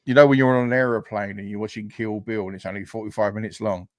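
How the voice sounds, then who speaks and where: A man's voice: on the low side, fairly even intonation, fast talker, no room sound. A British man chatting casually on a podcast, rambling with lots of likes and restarts as he tells a story. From United Kingdom. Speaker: podcast host. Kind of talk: casual chat. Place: home setup on a livestream.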